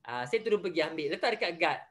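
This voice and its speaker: A man's voice: a little high, expressive, quick pace, a bit bright. A young man with a Malaysian Malay accent, a religious teacher telling a story to his pupils in an online class and quizzing them as he goes. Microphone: video call.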